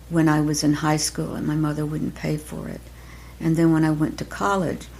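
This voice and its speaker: An older woman, an acting teacher, talking reflectively in an interview, soft-spoken and halting, with many pauses and restarts. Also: sits low, creaky, poor audio. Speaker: acting teacher, podcast guest.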